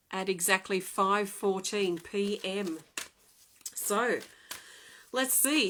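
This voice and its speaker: A woman, excitedly and chattily reading oracle cards in a live stream from home. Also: mid-range voice. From Australia. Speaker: oracle card reader.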